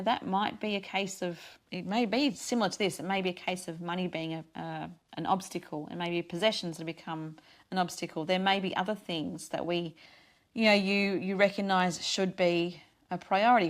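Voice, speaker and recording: A woman's voice: lowish voice, steady tone, brisk. Tired woman radio host, losing her voice. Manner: earnest, rambling, frequent restarts. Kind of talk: casual devotional radio talk.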